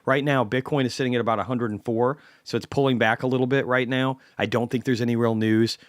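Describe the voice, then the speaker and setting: A man's voice: medium pitch, steady tone, fast talker, no echo, studio quality. A man hosting a market commentary stream, ranting bluntly and swearing heavily.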